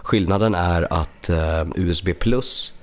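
A man with a low, slightly congested voice streams a puzzle game and thinks aloud as he works. He chats casually with his viewers, close to a USB studio microphone. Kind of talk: casual live-stream commentary.

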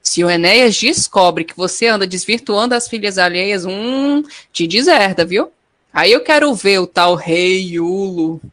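A woman's voice: mid-range voice, animated, a little slow, a bit bright. A Brazilian woman playing a sensible, mocking teenage friend in a comedic audio drama. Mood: teasing, skeptical. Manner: casual, mocking. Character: teasing, sensible teenage friend of a young prince.

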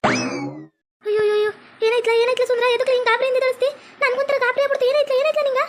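Woman voicing a wailing village mother, piercing high voice, rapid lament. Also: little pitch movement, noisy background. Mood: alarmed. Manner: wailing and scolding, quick sing-song lament. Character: fussing rural old mother, scolding and soothing. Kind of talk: village comedy skit acting.

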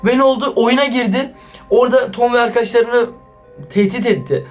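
A man vlogging over a phone game, excitable and slangy, often turning to talk straight to his viewers. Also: very high-pitched, brisk, soft background music. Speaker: YouTuber. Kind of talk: casual gaming vlog commentary.

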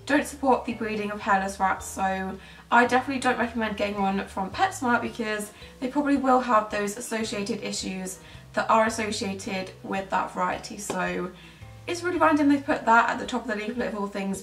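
A British woman in her twenties talks casually to the camera in a bedroom. Her voice sits fairly high, and the sound is roomy, picked up a little way from the microphone. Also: fairly bright tone. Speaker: pet-care vlogger. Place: small bedroom indoors. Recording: roomy echo, distant microphone, faint music.

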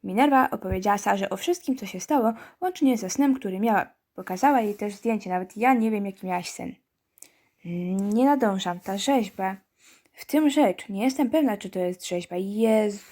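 A woman's voice: medium pitch, normal speed, mellow. A woman reading a story game aloud and breaking off for wry, chatty asides to her viewers. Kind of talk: let's-play reading with chatty commentary.

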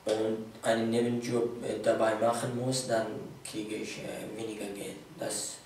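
A man's voice: fairly low pitch, level tone, a little slow, a little mellow. A young man from Iraq whose first language is Yazidi Kurdish, giving a hesitant interview with many filler sounds and restarts, seated in a small office. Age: young adult. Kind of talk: interview about integration. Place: small office room with filing shelves. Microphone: room mic from a far camera. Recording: echoey room, distant mic, faint hiss.

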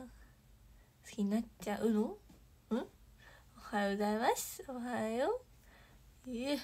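A young woman chats bubbly and warmly through her livestream, reading out comments and thanking viewers. Her voice sits a little high with a gravelly, husky texture. She drops now and then into soft, whispery asides. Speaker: idol livestreamer.

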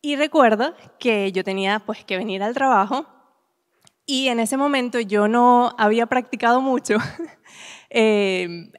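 A young woman preaching a sermon in a church, telling personal stories to her congregation in a conversational, expressive way. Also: on the high side. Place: church hall. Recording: long church-hall reverb.

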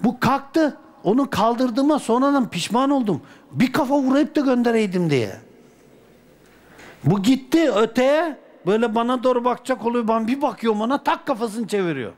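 A man from Turkey, a dervish, telling a personal anecdote in a colloquial, lively way with folk sayings. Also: extremely high pitch, normal speed. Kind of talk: casual spoken anecdote.

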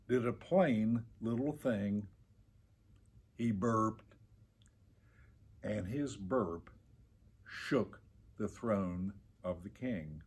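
Slow, husky older man reading a storybook. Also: medium pitch, a little mellow. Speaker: teacher reading aloud to students. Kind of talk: expressive children's storybook read-aloud. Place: indoor room with tiled drop ceiling.

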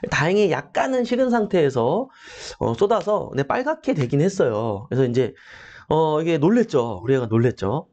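A man's voice: fairly high pitch, very animated, normal speed, a little mellow, highs cut off. A middle-aged man hosting a live morning talk on property auctions, telling a personal story and turning to address his listeners directly. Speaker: real estate auction educator hosting a live morning show. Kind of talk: motivational talk with a personal anecdote.

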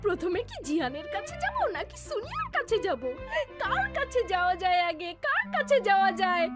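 A woman voicing a lazy, whiny young schoolboy in a dubbed cartoon, quick to protest. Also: very high-pitched, huge pitch swings, heavily acted. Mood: pondering. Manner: whiny and defensive. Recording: loud cartoon music underneath.

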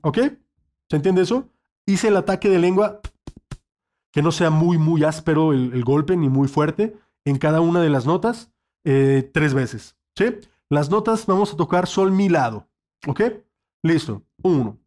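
A man's voice: fairly high pitch, animated, a little slow, darkish tone. A male saxophone teacher, giving an online lesson and checking in patiently with the student.

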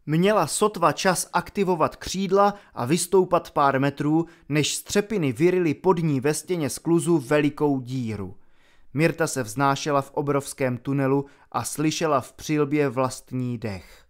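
A man reading an audiobook aloud in a measured, dramatic narrating style. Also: fairly high pitch.

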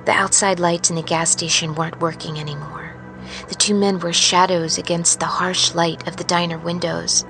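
A haunted, low-voiced truck driver over music. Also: female voice, flat delivery, moderate pace, gravelly. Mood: haunted, grave. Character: weary, haunted woman truck driver, musing and wry. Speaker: narrator of serial fiction podcast. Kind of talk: dramatic first-person audio fiction monologue.

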